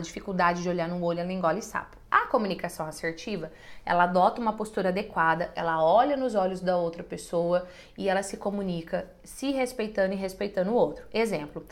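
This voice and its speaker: A woman hosting a casual advice talk, answering viewer questions in a lively, expressive, direct way. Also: mid-range voice. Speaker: host giving relationship advice.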